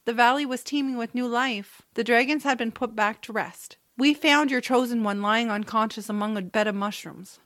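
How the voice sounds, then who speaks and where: A woman's voice: fairly high pitch, moderate pace, few pauses, fairly bright tone, dry recording, studio quality, natural voice. A woman playing a solemn, noble tribal leader who speaks formally and reverently in an audiobook drama. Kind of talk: audiobook drama character acting.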